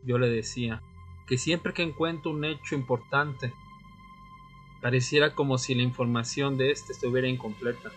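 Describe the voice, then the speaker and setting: Man acting a bright-voiced, brooding vampire. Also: medium pitch, steady tone, natural voice. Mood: brooding, solemn. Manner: solemn, deliberate storytelling in short phrases. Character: brooding male vampire, former history student, seeking answers. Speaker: narrator and lead actor. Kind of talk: audio drama narration and dialogue. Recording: music bed under the voice.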